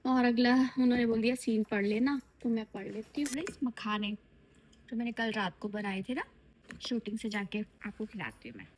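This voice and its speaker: A tired woman chats away in a high, bright voice as she vlogs from a TV set. She talks straight to her viewers, casual and animated, while sounding sleepy. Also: moderate pace, slight background noise, poor audio. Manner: chatty, animated, addresses viewers as lovelies. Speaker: vlogger and TV actress. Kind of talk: casual chatty vlog. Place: on a TV shoot location, in and out of doors.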